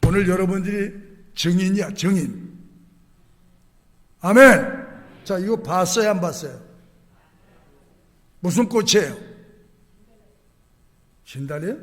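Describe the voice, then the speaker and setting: Male pastor, sermon. High, bright voice, reverberant hall. Swings from soft asides to shouted declarations, quizzes the congregation. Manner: asks the congregation rhetorical questions. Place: church sanctuary. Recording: echoey church hall.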